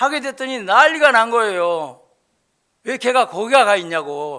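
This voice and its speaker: A man's high-pitched, bright, sharp voice is raised and projected, moving at a moderate pace with lively intonation. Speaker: guest speaker at church, care facility worker. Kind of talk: sermon with personal testimony. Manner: colloquial, storytelling with fillers.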